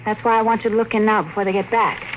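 A woman's voice: medium pitch, steady tone, racing, phone-quality sound, noisy background, close to an everyday voice. A woman playing an anxious, insistent American wife and mother in a 1950s radio drama. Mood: worried, insistent. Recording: old radio broadcast recording.

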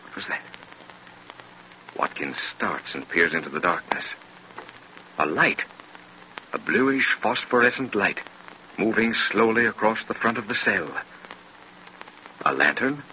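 A portentous radio mystery narrator, low and very forceful, with measured theatrical delivery. The recording is an old, dull broadcast. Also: male voice, lively intonation, full character voice. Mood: suspenseful. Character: grave, ominous male narrator of mystery tales. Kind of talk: dramatic 1930s radio narration. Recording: scratchy, band-limited 1930s radio recording.

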